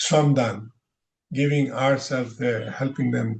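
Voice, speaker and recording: A man with a somewhat breathy voice. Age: 60s. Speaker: airline pilot. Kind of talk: casual interview chat.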